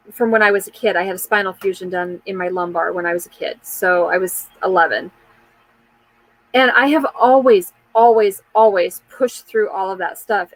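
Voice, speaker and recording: A woman's voice: mid-range voice, no room sound, low-quality recording. Candid rambling woman in her forties. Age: 40s. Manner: candid and rambling, answering viewer comments; frequent fillers and trailing restarts. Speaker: live chat host. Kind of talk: casual live-stream chat.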